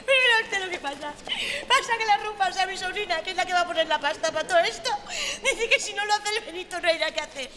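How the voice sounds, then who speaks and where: An actress playing a flustered, outspoken aunt in a TV sitcom, speaking with a Spanish accent. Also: female voice, very high voice, fast talker, background noise. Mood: agitated. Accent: Spanish, from Spain. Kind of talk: broadcast sitcom acting.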